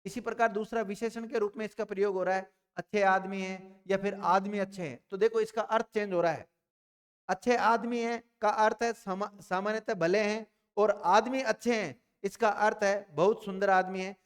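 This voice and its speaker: A man's voice: sits high, fairly even intonation, moderate pace, clear, resonant tone, in a large hall. A male teacher giving a grammar lesson, speaking straight to his students and answering his own questions. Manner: addresses students directly, repeats questions and answers them.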